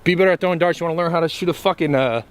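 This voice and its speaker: A man speaks quickly and emphatically to his camera outdoors, riding one motivational thought into the next. His voice sits high and his pace is rapid. He swears freely and keeps pushing his point. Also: clean tone. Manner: rambling, profane, fast and emphatic. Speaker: vlogger. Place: outdoors among trees.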